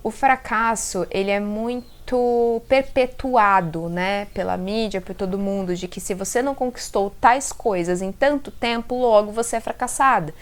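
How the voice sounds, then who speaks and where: A self-leadership content creator in her 30s, from the interior of São Paulo state in Brazil, speaks with the region's caipira r at medium pitch and a moderate pace, barely pausing. Her casual, reflective vlog to camera is expressive and conversational, frequently addressing viewers directly.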